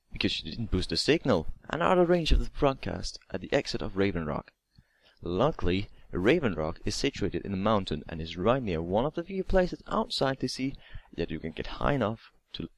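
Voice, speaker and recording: A narrator of online horror stories reads a scripted creepypasta aloud, occasionally stumbling and repeating words. His fairly low, creaky voice has a sing-song quality and a moderate pace, captured in a dry recording.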